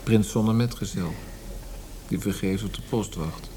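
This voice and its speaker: An actor playing a proud, fretful poet in a radio drama, speaking in an earnest, precise, grumbling way. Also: male voice, lowish voice, normal speed, background noise, close to an everyday voice. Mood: melancholy. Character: proud, fretful, melancholy male poet and librettist.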